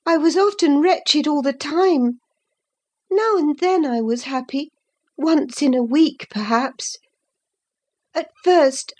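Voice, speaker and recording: A woman's voice: sits high, darkish tone, pitched above the performer's own voice. A woman voicing an earnest, impulsive teenage girl in an audiobook, talking in an eager, confiding way. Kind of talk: audiobook character voice.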